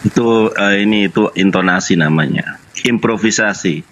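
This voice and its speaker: A man's voice: fairly low pitch, normal speed, a bit bright, lo-fi sound, slight background noise. A Sundanese man from West Java, a debater explaining his point patiently in a casual online debate.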